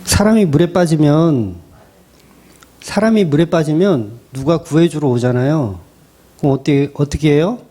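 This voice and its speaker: A man's voice: a little high, lively intonation, moderate pace, dark tone. A middle-aged man, a pastor preaching a sermon in a conversational style, acting out quoted voices.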